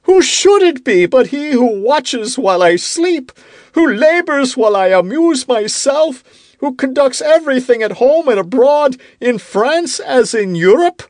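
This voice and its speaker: A man's voice: extremely high pitch, sing-song, a little slow, no echo, pitched above the performer's own voice, full character voice. A man putting on a petulant, whiny king. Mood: accusing. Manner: rising into indignant outbursts. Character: fretful, self-pitying middle-aged king, quick to anger. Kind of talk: audiobook character reading.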